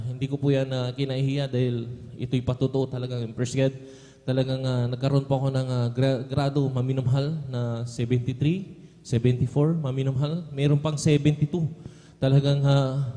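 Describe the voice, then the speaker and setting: A man's voice: medium pitch, dark tone. Earnest young Filipino man testifying in a hall. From Philippines. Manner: earnest, repeats "beloved" after every phrase. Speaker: church member giving testimony. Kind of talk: spoken testimony at a prayer service. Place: church hall. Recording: long reverb of a church hall.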